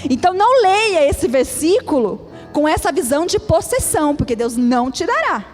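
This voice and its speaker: A woman's voice: high voice, big pitch swings, normal speed, darkish tone. A woman pastor with a Brazilian Portuguese accent, preaching a sermon in an emphatic, repetitive cadence. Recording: reverberant hall with faint music.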